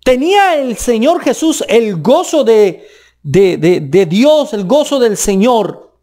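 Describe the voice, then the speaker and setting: A man with a Colombian accent preaching a sermon, emphatic, with pitch that rises and drops sharply for stress. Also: sing-song, slow pace, warm tone.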